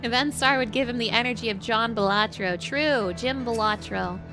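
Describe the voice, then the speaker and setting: A woman streamer with a high-pitched voice, chatting in a bubbly, giggly way between game dialogue. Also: normal speed, music in the background. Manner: bubbly, giggly, filler-heavy chat. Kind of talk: casual chat while reading game dialogue.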